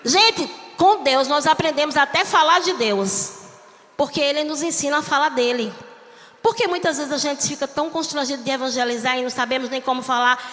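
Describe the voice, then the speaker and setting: A woman missionary, preaching in a church with a repetitive, impassioned cadence that rises to shouts. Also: sits high, fairly quick. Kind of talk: Pentecostal-style sermon. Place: church sanctuary. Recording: long church hall reverb.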